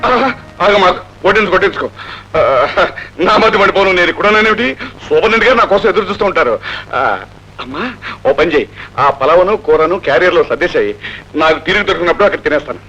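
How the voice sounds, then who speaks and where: A chatty jovial police constable. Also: male voice, high-pitched, fast talker, sharp tone, full character voice. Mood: bantering. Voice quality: chatty, teasing, laughing easily. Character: jovial talkative middle-aged male police constable. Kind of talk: 1970s Telugu film acting. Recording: dull old film soundtrack with music.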